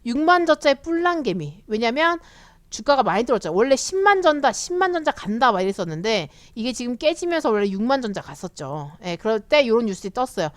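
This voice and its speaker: Chatty woman teaching the stock market, fairly high and very expressive voice, acts out quotes. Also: fast talker, no room sound. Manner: chatty, animated, acts out quotes of eager retail investors. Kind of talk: casual explanatory lecture.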